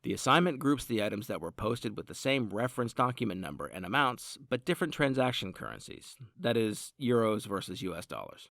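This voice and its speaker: Low, gravelly male tutorial narrator. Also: big pitch swings, a little fast, hardly any pauses, fairly bright tone, no room sound, clean studio sound. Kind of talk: scripted software tutorial narration.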